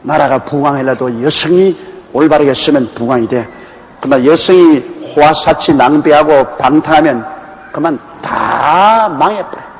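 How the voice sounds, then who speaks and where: A male pastor from Gyeongsang preaches through scripture, mixing in homely anecdotes as he goes. His voice sits a bit high for a man, and it rings out in a long hall reverb with a faint hiss underneath. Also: unhurried. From Gyeongsang province, Korea. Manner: folksy storytelling with anecdotes. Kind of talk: Bible exposition sermon. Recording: echoey hall with faint background noise.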